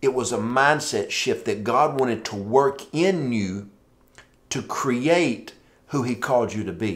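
Lively intonation and an animated tone in a Southern US accent. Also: man, medium pitch for a man, fairly slow pace. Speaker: preacher. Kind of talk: sermon. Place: home room. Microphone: phone near.

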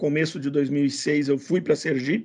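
A fairly high-pitched male voice against a quiet background. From Santa Catarina, Brazil. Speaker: public prosecutor; guest. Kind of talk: interview. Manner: halting, many repetitions and fillers. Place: home room. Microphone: video call.

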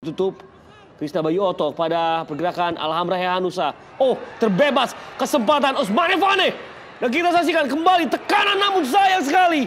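An animated man with an extremely high pitch and very wide pitch swings, over noticeable background noise. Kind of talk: live match commentary over highlights. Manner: animated, excitable; fast, rapid-fire play-by-play.

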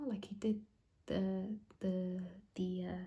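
Somewhat breathy and soft-spoken, with a dark, mellow tone. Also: woman. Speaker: beauty vlogger. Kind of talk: casual vlog chat. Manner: soft, hushed ASMR-style talk. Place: home room. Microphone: phone near.

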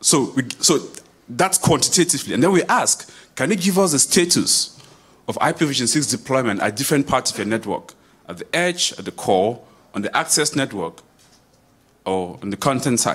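This man talks at a moderate pace, broken by long, frequent pauses. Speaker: conference presenter. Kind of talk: conference talk. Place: hall. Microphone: podium.

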